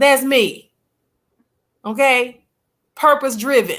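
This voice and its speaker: A loud, high-pitched woman's voice in a Southern US accent, with ordinary pitch variation at a fairly slow pace, on a very clean recording with a silent background. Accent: country, Southern US. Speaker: podcast co-host. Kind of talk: casual podcast conversation. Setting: live stream podcast.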